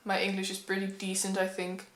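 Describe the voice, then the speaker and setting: A woman's voice: medium pitch, monotone, a little fast, a bit bright. A young woman from the Netherlands with a Dutch accent, chatting candidly to a camera at home, a little nervous and with frequent ums. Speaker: book vlogger. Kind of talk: casual talking-to-camera vlog. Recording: echoey room.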